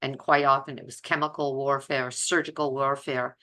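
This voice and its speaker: A woman with a very deep, sharp voice speaks at a moderate pace with flat delivery. She is a plant-based eating advocate and health vlogger giving informal, earnest, emphatic commentary on listed quotes.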